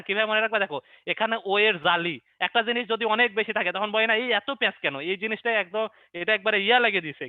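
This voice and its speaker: A young man runs a biology lesson online, firing quick questions and repeating the answers as memory drills. The sound is dry and close, squeezed into a narrow phone-like band. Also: high-pitched, no echo. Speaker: biology teacher. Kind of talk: online class lecture.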